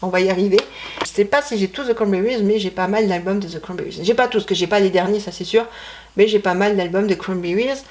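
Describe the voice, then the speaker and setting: A woman's voice: mid-range voice, fast, a little mellow. A woman vlogger chatting casually about her CD collection, rambling and correcting herself with many fillers. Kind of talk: casual chat.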